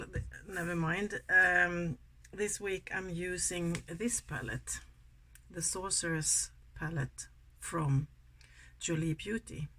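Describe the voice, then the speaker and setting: A low-pitched, husky Swedish woman in her sixties, speaking with a Swedish accent, chats casually and a little ramblingly in a soft voice as a beauty vlogger doing a makeup tutorial. The recording is low quality.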